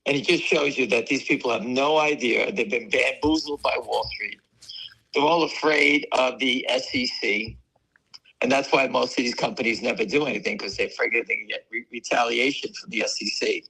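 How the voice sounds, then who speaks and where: A man whose voice is hoarse and gravelly after weeks of coughing. His tone is bright and tense, with a raspy edge. He talks in a loose, rambling, chatty way as a guest on a live stream. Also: medium pitch, normal speed, poor audio. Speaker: guest on a stock market stream. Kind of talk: casual chat.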